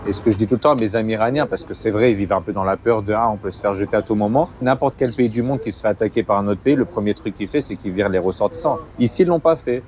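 A man interviewed outdoors in a city, explaining things in a quick, chatty way. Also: fairly low pitch, a little mellow, slight background noise. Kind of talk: casual interview.

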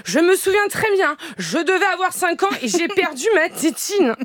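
A man's voice: very high-pitched, very animated, normal speed, a bit bright, no room sound, studio quality, voice pushed up, exaggerated voice. A woman doing a plaintive young man confessing to a therapist. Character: adult man venting about childhood to a therapist.

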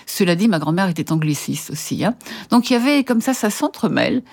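A woman translator answering interview questions with articulate, lively storytelling and some hesitations. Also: mid-range voice, a little fast, vocal fry, husky. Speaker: literary translator guest.

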